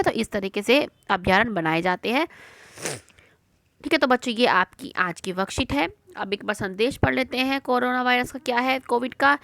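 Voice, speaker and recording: A woman's voice: mid-range voice, fairly bright tone, dry recording. A woman teaching young children, patiently going through a worksheet, asking questions and answering them herself. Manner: patient, repeats words and asks questions then answers them.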